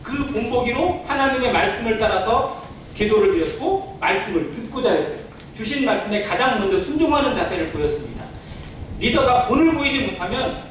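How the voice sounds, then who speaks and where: Echoey high-pitched man preaching a sermon. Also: a bit bright. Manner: earnest, explanatory, asks rhetorical questions. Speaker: pastor preaching to a congregation. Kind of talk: Sunday church sermon. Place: indoor church sanctuary. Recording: very echoey church hall, distant mic, faint noise.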